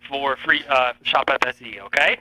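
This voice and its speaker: A man's voice: medium pitch, normal speed, noisy background. A man hosting a live video podcast, running a call-in game in an upbeat manner. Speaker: host.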